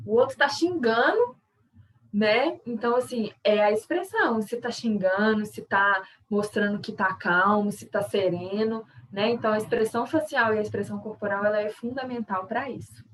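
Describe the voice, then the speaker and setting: Brazilian woman, workshop teacher, conversational explainer, mid pitch, slightly distant video-call mic. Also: normal speed, hardly any pauses. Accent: Brazilian Portuguese. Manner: explanatory, conversational, many tag questions. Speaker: sign language interpreter and workshop teacher. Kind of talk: online workshop lesson.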